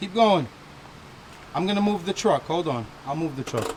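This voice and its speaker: Noticeable background noise fills the clip as a man delivers his words in an animated tone. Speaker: car builder vlogger. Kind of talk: casual vlog. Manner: rambling.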